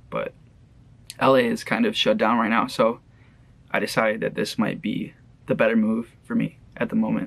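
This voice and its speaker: With an American accent, a man speaks at a moderate pace, leaving long, frequent pauses. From Michigan. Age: 20s. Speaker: aspiring actor and vlogger. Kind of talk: casual vlog monologue. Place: home room. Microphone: webcam.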